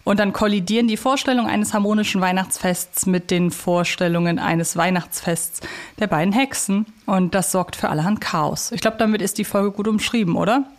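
A woman's voice: mid-range voice, brisk. A woman co-hosting a podcast, giving a review in casual conversation. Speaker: podcast co-host. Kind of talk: casual review chat about audio drama episodes.

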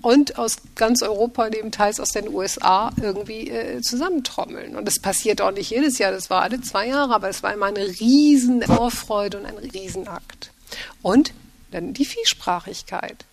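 A woman's voice: a little high, moderate pace, gravelly. Reflective German-speaking woman translator. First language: French. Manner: reflective, many restarts and repeated words. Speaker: translator and editor, guest. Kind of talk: thoughtful conversational interview.

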